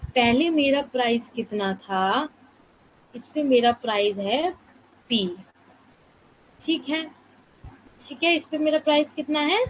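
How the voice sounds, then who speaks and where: A woman with a high voice and lively intonation teaches a live online class softly and unhurriedly, checking in with students and asking herself questions as she explains. She's fasting and low on energy, and she sounds tired. The recording is rough, with a faint hiss under her voice.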